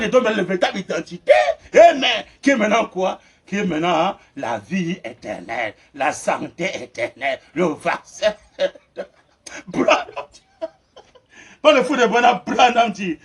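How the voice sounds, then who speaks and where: Male preacher, gravelly and husky, laughs and shouts amens through a mocking sermon. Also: high-pitched.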